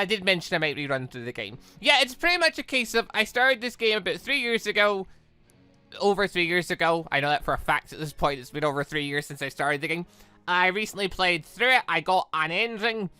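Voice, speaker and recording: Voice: mid-range voice, sharp tone, clean tone, no room sound. A gaming YouTuber giving casual, rambling let's play commentary in a chatty way.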